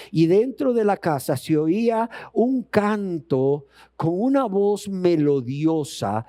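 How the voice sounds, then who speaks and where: A man delivers an emphatic sermon as pastor, his voice on the high side yet warm and mellow. He drives his points home with rhetorical questions and acts out scripture scenes in his own voice. The recording is close and dry, with no room sound. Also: no echo.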